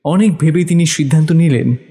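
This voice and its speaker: A man's voice: fairly high pitch, fairly quick. A man narrating a village ghost story in a dramatic scripted style. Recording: narration over loud music. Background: music with crickets.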